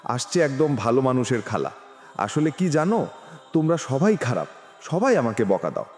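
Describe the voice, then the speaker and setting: A man's voice: medium pitch, sing-song, moderate pace, darkish tone, lightly acted. A man voicing a young woman in a storybook, pleading and protesting in a sulky way. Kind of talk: storybook character voice. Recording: reverberant with music behind.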